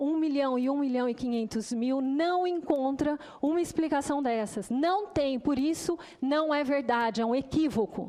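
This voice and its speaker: A woman speaks at a high pitch and a fairly slow pace, with ordinary pitch variation and very even loudness. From Brazil, Campinas (São Paulo state). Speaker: dentist and public health researcher. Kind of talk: lecture. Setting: committee hearing before senators.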